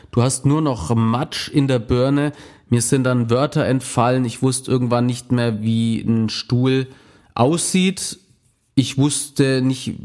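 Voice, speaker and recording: A man's voice: medium pitch, a little mellow. A man in casual conversation, talking bluntly and with slang about his past experiences. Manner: blunt, colloquial, with slang and swearing. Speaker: former drug user sharing experience.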